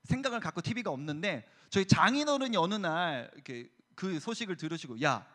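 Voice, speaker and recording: A man in his thirties, a youth pastor giving a lively sermon to high school students and acting out story voices as he tells them. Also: fairly quick. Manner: animated storyteller, acts out voices.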